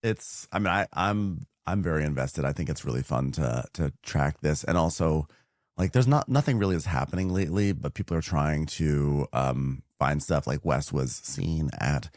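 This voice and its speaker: A man co-hosting a podcast, chatting casually and gossiping about reality TV, with halting restarts. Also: a bass voice, a little mellow, dry recording, studio quality. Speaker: podcast co-host. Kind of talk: casual chat.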